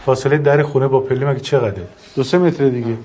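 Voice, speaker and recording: A man's voice: medium pitch, steady tone, dark tone, lightly acted. An actor playing a stern, impatient male court investigator giving curt orders in a film drama. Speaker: judge. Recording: film audio with noise.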